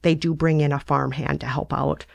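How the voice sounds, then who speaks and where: Low-voiced woman in relaxed podcast chat. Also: normal speed, creaky, highs cut off. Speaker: podcast host and author.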